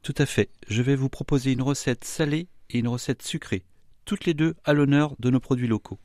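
A man's voice: medium pitch, fairly quick, darkish tone, no echo, clean studio sound. Male chef guest on the radio. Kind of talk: radio interview answers.

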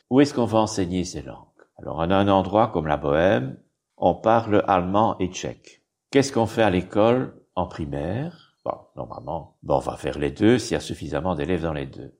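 A man's voice: deep voice, a little mellow. An older man, explaining history in an interview in a rambling, digressive way with frequent tag words. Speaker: bishop and historian guest.

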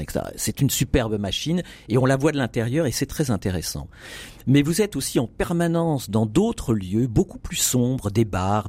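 A man's voice: medium pitch, dark tone, no echo. A man reviewing a film on air, hesitant, with many restarts and fillers. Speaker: cultural commentator.

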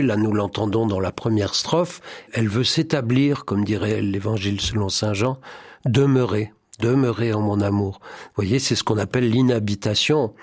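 A man's voice: on the low side, no echo, clean studio sound. A man guest in a spiritual radio interview, speaking in a fervent, preacherly way and often quoting scripture. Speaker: priest and songwriter, interview guest.

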